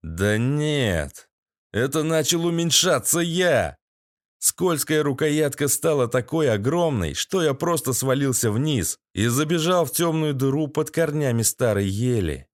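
A man's voice: on the high side, animated, measured pace, dry recording, studio quality. A man reading a first-person audiobook in a gritty, sardonic storytelling manner. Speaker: audiobook narrator.

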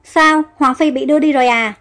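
A woman voicing a gruff male army captain who barks orders. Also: high-pitched, fairly even intonation, a little fast, fairly bright tone, faint music behind. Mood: alarmed. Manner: barking orders.

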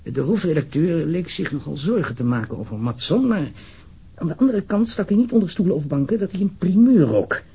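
Husky, evasive government official. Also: male voice, on the high side, sing-song, fairly quick, mellow, heavily acted. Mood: formal, displeased. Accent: Netherlands Dutch. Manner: hesitant, formal, wordy, throat-clearing. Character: uneasy, evasive male government official, formal and diplomatic. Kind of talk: radio drama dialogue.

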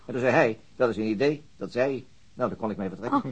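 A man's voice: medium pitch, sing-song, fast, gravelly, husky, muffled recording, exaggerated voice. An actor playing a methodical, slightly weary police detective in a radio drama, hesitating as he thinks aloud. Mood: matter-of-fact. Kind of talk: naturalistic radio drama acting.

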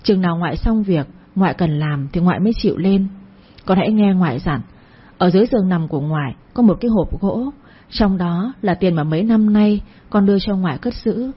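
A woman voicing the gentle ghost of an old grandmother who speaks softly and tenderly. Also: fairly low pitch, brisk, husky, highs cut off. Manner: soft, tender and consoling.

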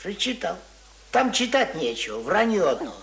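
Old rural grumbler, high voice, sarcastic, rustic, radio play, echoing room. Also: male voice, very animated, normal speed, gravelly, a bit bright, exaggerated voice. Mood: grumbling, stubborn. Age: older. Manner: querulous, sarcastic, rustic colloquial speech. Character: grumbling, mocking, stubborn old village peasant man. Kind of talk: radio play acting of rural folk dialogue. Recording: roomy, echoing radio drama recording.

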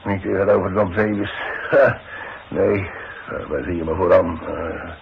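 An actor playing a proud but frightened retired demolition man, an older father who talks haltingly and evasively in a 1960s radio play. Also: low-pitched, steady tone, creaky, slightly rough, full character voice. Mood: wounded pride. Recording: muffled, hissy 1960s radio play recording.

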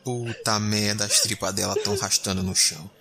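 A man's voice: lowish voice, little pitch movement, fairly quick, sharp tone. A man with a Brazilian accent playing a bewildered, squeamish young explorer in a horror audio drama, colloquial and incredulous. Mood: horrified. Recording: music behind the voice.

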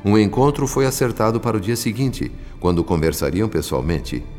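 A man's voice: on the low side, very animated, moderate pace, a little mellow. A man playing the solemn narrator of a Brazilian radio drama, with a Brazilian accent and a formal, literary delivery. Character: solemn spirit narrator, grave and literary observer. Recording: long reverb under faint music.

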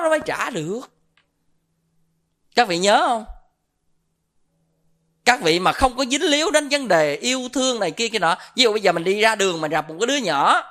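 A Buddhist preacher delivers a dharma sermon at a middling pitch. The speaker keeps putting questions to the listeners and repeats filler words while searching for the next phrase. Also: a bit bright. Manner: asks the audience rhetorical questions.

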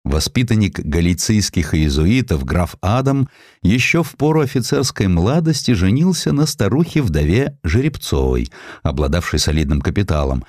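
A man narrating a historical literary audiobook in a measured, expressive, dramatic storytelling manner. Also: low voice, dry recording, studio quality.

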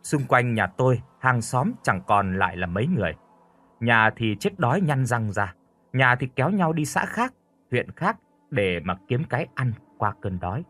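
Husky man narrating a dark story. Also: mid-range voice, sing-song, normal speed, no room sound. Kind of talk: scripted first-person horror narration.

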